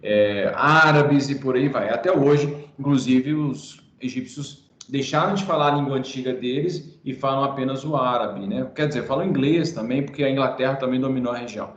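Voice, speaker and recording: A man's voice: mid-range voice, normal speed, few pauses, roomy sound, lo-fi sound. A male history teacher giving an online class, explaining patiently with playful asides to his students.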